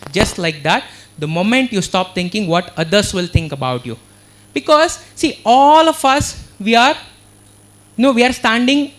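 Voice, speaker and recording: High-voiced Indian man giving a pep talk. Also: a bit bright. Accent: Indian English. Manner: earnest, keeps checking in with the audience. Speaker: motivational speaker. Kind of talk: motivational talk to students. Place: university auditorium.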